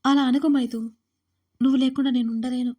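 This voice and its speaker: A woman's voice: high-pitched, little pitch movement, fast, warm tone. A woman voicing a young man who pleads desperately and tearfully with the woman he loves, in an audio story.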